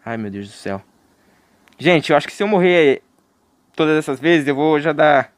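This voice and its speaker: This young adult streamer, speaking with a Brazilian Portuguese accent, plays a horror game live while bantering with chat and yelping in panic at the scares. His voice is on the high side and expressive, at a normal pace, with no room sound.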